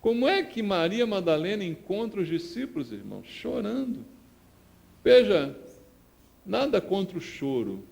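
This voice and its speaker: A pastor with a somewhat high voice delivers a Sunday sermon to his congregation. He is emphatic, rising to loud declarations and dropping to quiet asides. He repeats phrases for rhythm and keeps asking the listeners questions. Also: sing-song, normal speed, gravelly. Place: church.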